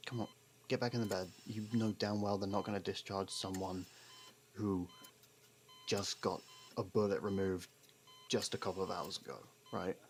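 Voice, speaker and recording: A man playing a sardonic, guarded ex-prisoner who reluctantly worries about a partner, in a halting, intimate ASMR roleplay monologue. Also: low voice, fairly even intonation, a little hiss or hum. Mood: dry, teasing.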